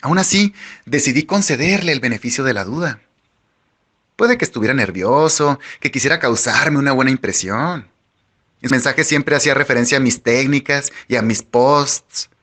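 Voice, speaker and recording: A man narrating an audiobook in the first person, with wry, animated storytelling. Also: mid-range voice, moderate pace.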